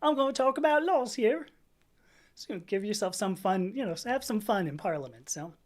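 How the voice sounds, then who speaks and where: A woman in her fifties talks casually on a livestream, rambling from one thought to the next and laughing along the way. She has a mid-pitched voice and sounds chatty and relaxed as she responds to viewers. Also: moderate pace. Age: 50s. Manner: rambling, chatty, laughs often, reads out chat comments. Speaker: livestream host.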